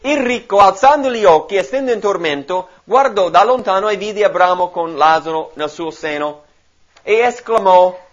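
A man's voice: high-pitched, moderate pace. A man teaching from the Bible in a sermon, explaining and asking his listeners questions. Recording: dull lo-fi recording.

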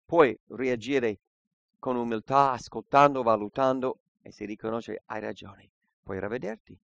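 A man preaching a sermon and reading scripture aloud, earnest, moving between quiet reflection and emphatic points. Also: medium pitch, moderate pace, gravelly, no echo, muffled recording.

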